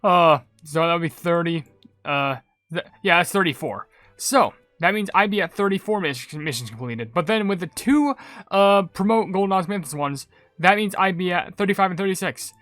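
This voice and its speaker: A man giving excited, casual game commentary in a rambling, emphatic way as a video creator. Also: high-pitched, moderate pace, no echo, soft background music.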